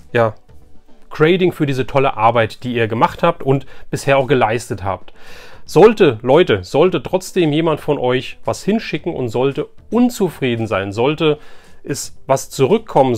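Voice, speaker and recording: A man presenting a collector's unboxing video in casual, enthusiastic, colloquial chat, often repeating phrases for emphasis. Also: medium pitch.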